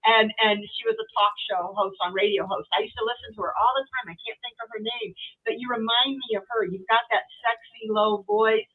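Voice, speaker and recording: A woman's voice: fairly high pitch, steady tone, fairly quick, hardly any pauses, husky. A middle-aged woman guest chatting casually on a live stream, telling stories and acting out what people said. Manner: chatty storyteller, acts out quotes. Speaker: guest tarot reader. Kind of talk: casual livestream chat. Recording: tinny phone-like call audio.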